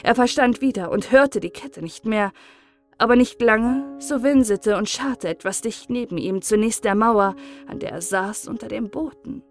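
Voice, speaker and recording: A woman narrating a fairy-tale audiobook in a calm, measured bedtime reading. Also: fairly high pitch. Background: soft background music.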